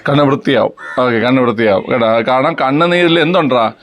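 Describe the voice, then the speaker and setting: A man's voice: mid-range voice, brisk, crowd noise. A male coaching teacher quizzing students, repeating key terms and teasing them with light banter outdoors. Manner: drills students with questions and repetition, teasing banter. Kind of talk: classroom quiz-style teaching. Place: outdoors with crows around.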